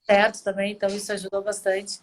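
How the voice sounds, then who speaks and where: A woman's voice: medium pitch, monotone, fast. A Brazilian woman in her forties hosting a live video chat, telling personal stories with emotion. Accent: Brazilian Portuguese. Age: 40s. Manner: emotional storytelling, warm and chatty. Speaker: host. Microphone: video call.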